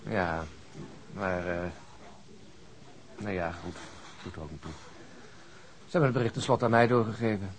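A man's voice: low voice, normal speed, pauses often, a little hiss or hum, rough recording. An actor playing a dour, dutiful policeman in a radio drama, curt and grumbling in a reproachful way. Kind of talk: naturalistic Dutch radio drama acting.

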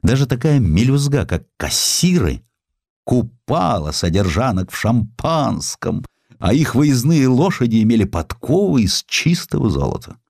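A man reading historical sketches as an audiobook narrator, with theatrical, deliberate, emphatic storytelling. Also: mid-range voice, big pitch swings, gravelly, a little mellow, no echo, studio quality. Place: dry studio.

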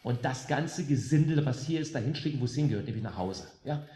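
Addressing a concert audience between songs, a man from West Germany gives a stirring political speech full of sarcastic jabs and rhetorical questions, speaking emphatically. His voice is mid-range, mellow, animated, and quick. The live room is roomy, with faint music.

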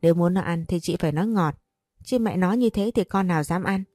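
A woman voicing a weary, tender old grandmother who speaks gently. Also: on the low side, fast, dry recording, soft background music, natural voice.

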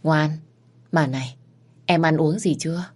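A woman voicing a gentle, protective young man. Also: sits low, a little slow. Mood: soothing. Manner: soothing, tender.

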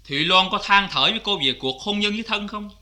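A stern formal judge. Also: male voice, high voice, animated, brisk, bright, forceful tone, exaggerated voice. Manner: formal, questioning.

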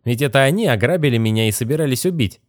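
A man's voice: mid-range voice, lively intonation, very fast, dry recording, studio quality, pitched above the performer's own voice, close to an everyday voice. A man voicing a vain, cold young male magician in a haughty, condescending manner. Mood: coldly threatening. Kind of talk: audiobook character reading.

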